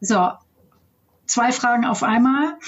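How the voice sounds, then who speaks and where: Her pitch high, a woman speaks at a very slow pace. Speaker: podcast host, coach and radio presenter. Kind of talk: interview. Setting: home office. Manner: animated.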